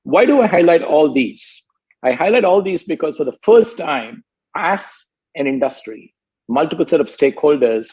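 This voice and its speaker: A man giving a business presentation as a company executive, emphatic and deliberate, point by point. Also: medium pitch, darkish tone, slightly rough, muffled recording.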